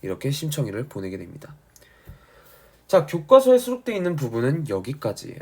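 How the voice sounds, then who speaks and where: A male teacher giving an exam-prep lecture on literature, explaining didactically and emphatically and often checking that students follow, his voice husky from a sore throat. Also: medium pitch, huge pitch swings, a little fast, warm tone. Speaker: Korean language and literature teacher.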